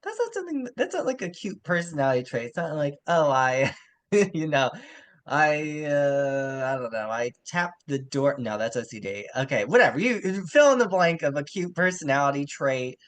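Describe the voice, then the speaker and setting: A man's voice: fairly high pitch, big pitch swings, normal speed, fairly bright tone. A man co-hosting a podcast, discussing books casually in an informal, opinionated way with wry asides. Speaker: podcast co-host.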